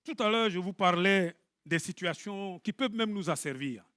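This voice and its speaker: A middle-aged pastor, preaching a lively sermon to his congregation. He swings between loud bursts and hushed asides and jokes with the listeners. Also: high-pitched, normal speed, no echo, clean studio sound.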